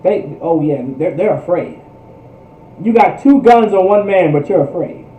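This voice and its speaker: A man's voice: high voice, expressive, measured pace, narrow, tinny audio. A man teaching in a fervent preaching style, emphatic, with repetitive, rhetorical phrasing. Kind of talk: fervent religious history teaching. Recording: echoey room, distant microphone.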